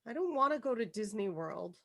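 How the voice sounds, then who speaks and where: A woman playing an awkward, earnest, dejected junior high schoolgirl in a screenplay table read, speaking in a halting, plain way. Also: big pitch swings. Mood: glum, questioning. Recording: video call.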